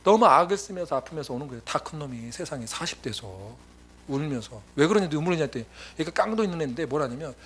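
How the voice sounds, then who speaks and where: A man preaching a sermon as a missionary, telling stories in a lively way and acting out his friends' voices. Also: a little high, fast, slight background noise. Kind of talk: sermon with storytelling. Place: church sanctuary.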